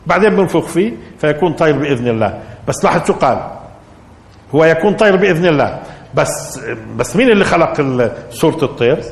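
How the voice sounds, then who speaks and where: A man's voice: on the high side, expressive, fast. A man teaching Quran commentary, putting questions to his listeners and building up to emphatic peaks. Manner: rising to emphatic peaks, asking the audience questions. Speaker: Islamic scholar teaching Quran interpretation. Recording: echoey hall recording.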